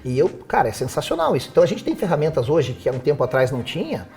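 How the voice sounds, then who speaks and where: A man who teaches, a guest on a podcast, giving practical advice in a casual, animated way with rhetorical questions. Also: on the high side, rapid-fire, vocal fry, faint music behind.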